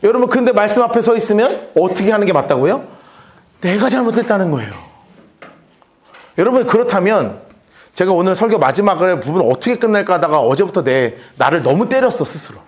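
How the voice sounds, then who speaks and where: A man preaching with a strikingly high voice that leaps up and down. He acts out scenes, jokes with the congregation and spurs it on. The sermon feels lively and theatrical. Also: brisk. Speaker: pastor.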